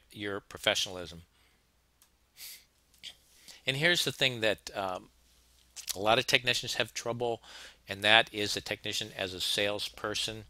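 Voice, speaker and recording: A man gives a relaxed, plain-spoken training lecture, circling back and repeating himself as he goes. His voice sits a little low but comes across very bright and forceful. It is recorded close and dry, with no room sound. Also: clear, resonant tone, dry recording. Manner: plain-spoken, conversational, frequent restarts and repeats. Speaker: HVAC instructor. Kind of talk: narrated slide lecture.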